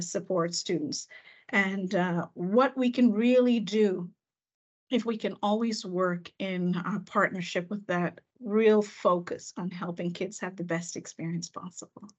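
A woman school administrator telling her story in a panel discussion, reflective and unhurried with occasional fillers. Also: medium pitch, husky. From Canada. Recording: muffled, lo-fi audio.

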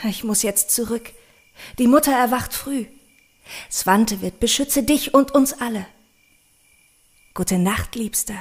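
High-voiced adoring young sweetheart. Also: female voice, measured pace, pauses often. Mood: tender. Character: young Slavic woman, devout, adoring, curious sweetheart. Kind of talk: German audio drama acting.

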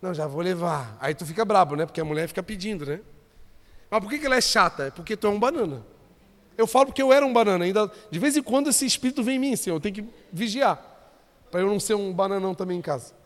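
A man's voice: high-pitched, animated, fast. A man preaching as a pastor, joking and calling out to the congregation. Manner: conversational, joking, calls out to the congregation. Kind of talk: sermon. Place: church hall. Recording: long reverb of a church hall.

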